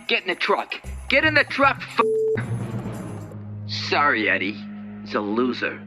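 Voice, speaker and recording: A man performing an unstable bullying trucker, storytelling character, gruff, slow, highish swooping pitch, music underneath. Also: wildly swooping pitch. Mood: angry, contemptuous. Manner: gruff, bullying, clipped street-tough talk. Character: menacing, unstable, angry male truck driver boss. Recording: music behind the voice.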